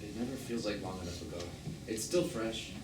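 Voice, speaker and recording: A man's voice: fairly low pitch, fairly quick, close to an everyday voice. An actor playing a defensive, grieving middle-aged gay man pleading with his partner in a live stage drama. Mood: wounded. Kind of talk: live one-act stage drama acting. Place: small theatre stage, recorded from afar. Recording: distant noisy roomy theatre stage recording.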